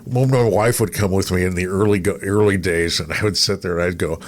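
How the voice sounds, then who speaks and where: A man's voice: deep voice, steady tone, fairly quick. A middle-aged American man, a radio host, chatting casually in a rambling storytelling way and acting out what people said. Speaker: radio show host and broadcaster. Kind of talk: casual anecdotal chat.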